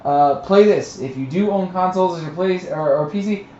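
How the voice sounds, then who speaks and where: A slightly high-voiced man talks casually at a game table, enthusiastic and quick to swear. The recording is echoey and dull, with faint noise behind him. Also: warm tone. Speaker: tabletop game player on a stream.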